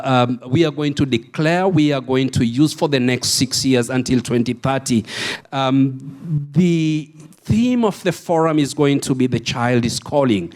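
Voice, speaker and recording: A man addressing a conference forum, emphatic and halting with fillers. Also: mid-range voice, darkish tone. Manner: slow, emphatic, hesitant fillers. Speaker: forum organizer.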